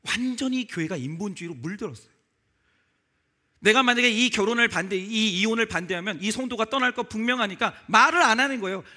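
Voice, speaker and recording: A man's voice: high voice, fast, few pauses, bright, forceful tone. A male pastor preaching a sermon, acting out quoted lines and pressing the congregation with rhetorical questions. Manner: acts out quoted voices in his telling.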